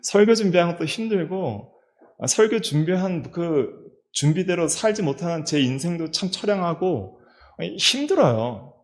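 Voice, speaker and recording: A man's voice: high voice, lively intonation, moderate pace. A middle-aged man, a pastor with a Daegu-region Korean accent, preaching a sermon in a church and asking his listeners many questions. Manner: preaching with rhetorical questions and repetition. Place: church sanctuary.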